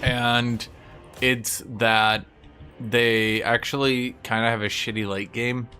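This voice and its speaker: A man's voice: medium pitch, level tone, takes it slowly, pushed and bright. Blunt male game streamer, music behind. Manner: blunt, sweary, wry. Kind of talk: casual live strategy game commentary to chat.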